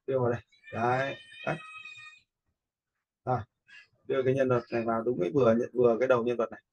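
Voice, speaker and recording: Gravelly, husky man teaching software. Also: mid-range voice, level tone, fast talker, muffled recording. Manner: step-by-step, repetitive check-ins with viewers. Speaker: video editing instructor. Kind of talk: informal screen-recorded software tutorial.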